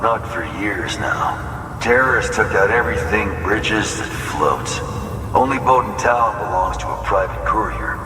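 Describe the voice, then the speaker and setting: A man's voice: on the low side, lively intonation, a little slow, noisy background. An actor voicing a friendly, folksy small-town man in a video game cutscene. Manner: folksy, easygoing drawl-like phrasing. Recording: distant roomy echo with game score.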